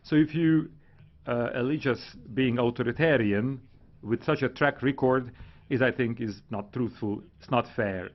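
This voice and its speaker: Man, defensive. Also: mid-range voice. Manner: defensive, insistent, slightly halting. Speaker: Hungarian government representative. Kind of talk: parliamentary debate reply. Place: parliament chamber. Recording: muffled, dull sound.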